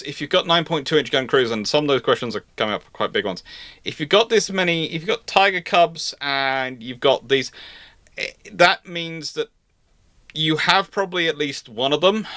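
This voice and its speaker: A man hosting a live naval history Q&A, reasoning aloud in a halting way and often repeating and reworking his phrases. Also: mid-range voice, pushed and bright, no room sound. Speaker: host answering viewer questions.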